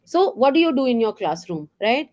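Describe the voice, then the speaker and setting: A middle-aged woman with an Indian English accent talks teachers through classroom ideas, her voice sitting a little high. She explains earnestly, checks in with rhetorical questions and fills pauses with small ums and uhs. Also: very animated, darkish tone. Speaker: teacher trainer. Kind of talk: professional development talk for teachers.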